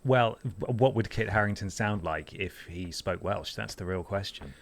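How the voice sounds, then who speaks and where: A man hosting a live stream, chatting casually while playing a game, animated, laughing and swearing at it. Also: fairly low pitch, moderate pace, vocal fry. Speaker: streamer host.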